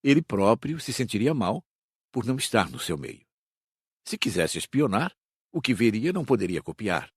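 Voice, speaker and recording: Husky low-voiced man reading an audiobook. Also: very animated, moderate pace, no echo, clean studio sound. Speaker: audiobook narrator.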